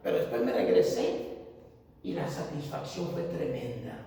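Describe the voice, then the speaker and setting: A man, a lay Catholic missionary, telling a personal story in an animated sermon and acting out the conversations. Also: mid-range voice, normal speed. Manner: animated storytelling, acting out dialogue, laughing at himself. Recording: echoey hall recording from far off with faint noise.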